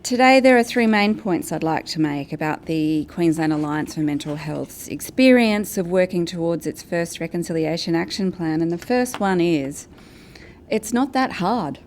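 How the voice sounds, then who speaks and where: An Australian woman giving a prepared conference presentation as a guest speaker, in a measured, structured way. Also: fairly low pitch, expressive, a little mellow, slight background noise. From Australia, New South Wales and Brisbane. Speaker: guest speaker, advocacy and communications director. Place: event venue with an in-person audience.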